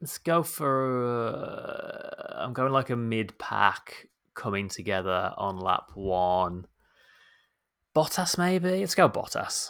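On a very clean recording with a silent background, a man with a Midlands accent and a medium pitch speaks very slowly with very wide pitch swings. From West Bromwich, English Midlands. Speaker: motorsport podcast co-host. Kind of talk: casual chat.

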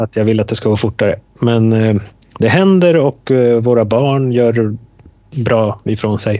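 A man's dark, mellow voice at medium pitch, with ordinary pitch variation, very even loudness and a fairly slow pace. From Sweden, Tornedalen (Norrbotten). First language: Finnish and Meänkieli (speaking Swedish). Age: 40s. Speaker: social media account founder. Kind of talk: casual interview.

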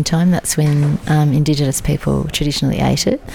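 Noticeable background noise runs through the clip. The speaker has an Australian accent. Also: woman. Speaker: cooking course student. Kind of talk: interview. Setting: kitchen during feast preparation.

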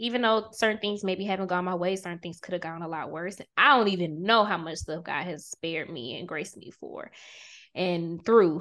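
In an American accent, a woman with an unremarkable speaking voice talks at a moderate pace and medium pitch, with ordinary pitch variation and big swings in loudness over a quiet background. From US South, Augusta, Georgia. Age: young. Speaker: podcast host. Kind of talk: faith testimony interview.

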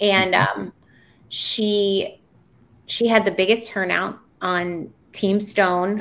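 Recorded very cleanly against a silent background, a woman speaks at medium pitch. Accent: American. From US South, Williamsburg, Virginia. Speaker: actress and realtor. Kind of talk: casual interview chat.

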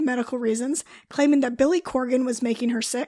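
A woman talks at a very fast pace in a high pitch. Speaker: quiz host. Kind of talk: quiz reading.

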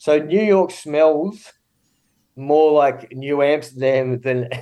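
A man with an Australian accent, fairly high pitch, ordinary pitch variation and a dark, mellow tone, at a very slow pace with long, frequent pauses. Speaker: prison reform advocate and former prisoner. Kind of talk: interview. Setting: remote call.

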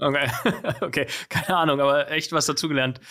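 A man talks at a fairly quick pace in a fairly high voice. It is a plain, everyday voice. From Berlin. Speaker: podcast host. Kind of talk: interview. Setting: video call.

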